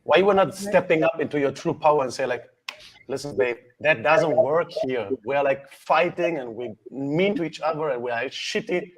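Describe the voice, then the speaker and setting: A man's voice: on the high side, moderate pace. A man from Greece, a talk show guest speaking frankly and reflectively in loose, blunt phrasing. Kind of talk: candid conversational interview answer.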